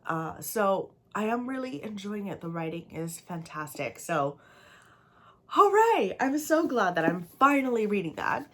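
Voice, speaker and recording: A woman's voice: medium pitch, a bit bright. A woman in her thirties from Canada, talking casually to camera about books she wants to read; she rambles in a chatty way, sounds a little tired, and is slightly snuffly from a cold. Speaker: book vlogger.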